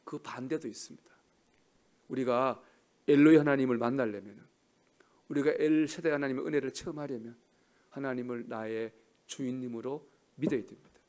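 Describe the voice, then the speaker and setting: A man preaching a sermon as pastor, swinging between soft murmurs and loud emphatic cries and putting questions to the congregation. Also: mid-range voice, fairly even intonation, brisk.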